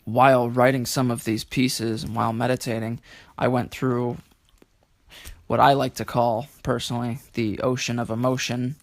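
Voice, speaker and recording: Halting, gravelly man in a close, dry recording. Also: mid-range voice, flat delivery, dry recording. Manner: halting, stammering, repeats words, somewhat formal wording. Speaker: interview guest. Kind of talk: reflective conversational interview.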